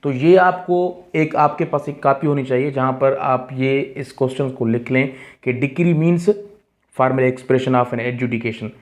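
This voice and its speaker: A law teacher with a South Asian accent gives an exam-prep lecture at a slow pace in a mid-range voice. He explains didactically, reads out definitions, repeats key phrases and mixes in English terms.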